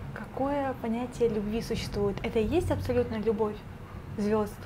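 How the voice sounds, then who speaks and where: Over noticeable background noise, a woman talks at a moderate pace with a fairly high pitch and fairly even intonation. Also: very even loudness. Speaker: interviewer. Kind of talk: interview. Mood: calm, curious. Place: home room.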